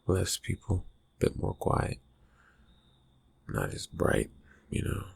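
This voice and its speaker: A man playing a reclusive, slyly menacing vampire friend in an ASMR roleplay, murmuring haltingly in a raspy, breathy voice with dry suspicion. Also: low voice, sing-song, heavily acted. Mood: guarded, suspicious. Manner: hesitant, halting, laconic, dryly suspicious. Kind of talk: ASMR roleplay, soft-spoken character talk.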